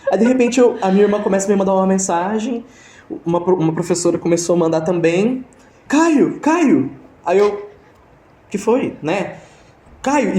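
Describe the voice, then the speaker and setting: A man's voice: sits high, mellow, reverberant, a little hiss or hum. A young Brazilian man telling a story in a casual interview, hesitant, with many restarts and fillers, over a video call. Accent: Brazilian Portuguese. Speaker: interview guest.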